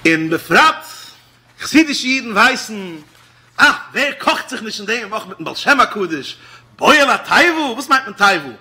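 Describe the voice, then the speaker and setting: Animated Hasidic rabbi preaching. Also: male voice. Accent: Hasidic Yiddish. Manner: swings between loud exclamations and low murmured asides. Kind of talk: Yiddish-flavored Hasidic sermon.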